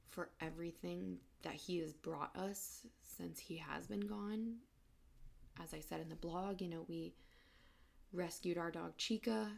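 A young woman talks straight into her podcast mic. Her voice sits low and has a gravelly fry. She speaks in a halting, emotional way, close to tears, and often pauses between phrases. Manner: emotional, halting, soft-spoken. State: tearful. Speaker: podcast host. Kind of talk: personal podcast monologue.

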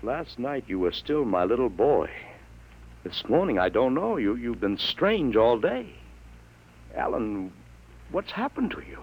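An actor playing a bewildered, worried father in a 1950s radio drama, halting and incredulous, with emphatic delivery. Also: mid-range voice, very animated, slightly rough, muffled recording, exaggerated voice. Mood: worried, puzzled. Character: bewildered, stern but worried father of a teenage boy.

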